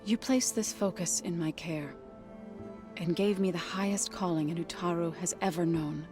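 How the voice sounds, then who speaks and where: An actress playing a gentle, devoted tribal woman warrior in a video game, soft-spoken, solemn and reflective, with deliberate, formal phrasing. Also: fairly low pitch, music in the background, lightly acted. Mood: solemn, caring. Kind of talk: video game cutscene acting.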